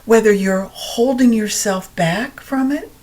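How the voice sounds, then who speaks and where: A woman teaching yoga nidra, guiding a meditation in a calm, soothing, unhurried way with long pauses. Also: fairly high pitch. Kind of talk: guided meditation narration.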